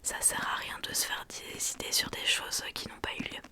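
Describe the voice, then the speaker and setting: In this ASMR book talk, a female creator keeps to a gentle, voiceless whisper like one used in a library. Her explanations come haltingly, broken up by pauses.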